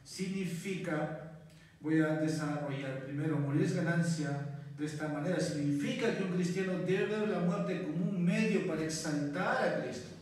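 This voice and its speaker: Male pastor, slightly high voice, earnest sermon delivery, very reverberant church, heard from a distance. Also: normal speed, darkish tone. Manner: earnest, repeatedly addresses listeners as brothers, with thinking fillers. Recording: very echoey church hall, voice from far off.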